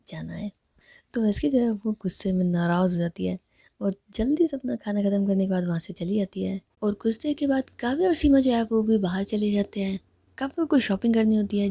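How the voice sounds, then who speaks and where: A woman's voice: mid-range voice, vocal fry, warm tone, husky, dry recording, clean studio sound. A woman casually narrating a love story with chatty asides.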